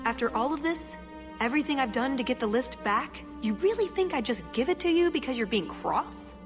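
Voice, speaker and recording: A woman's voice: high voice, expressive, fairly quick, over music. A woman playing a principled, self-assured female agent with a wry side in a fantasy video game.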